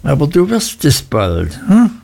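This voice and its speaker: A man's voice: a little high, huge pitch swings, unhurried, creaky, mellow, voice pushed up, full character voice. A man voicing a cruel, wrathful schoolmaster in an audiobook, boastful and threatening, with snapping, repetitive phrases. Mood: sneering menace. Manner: whispering menace, snapping "hä?" tags, repetitive self-important boasts. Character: cruel, wrathful old schoolmaster, menacing and domineering.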